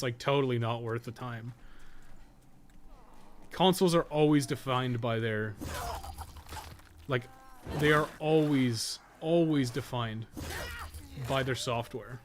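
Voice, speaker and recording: A man with a mid-pitched voice streams a video game with some noise in the background. He rambles casually, thinking aloud as he plays and chats. His manner is blunt, with plenty of swearing. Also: a little slow, pauses often. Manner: blunt, heavily profane. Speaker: gaming live streamer.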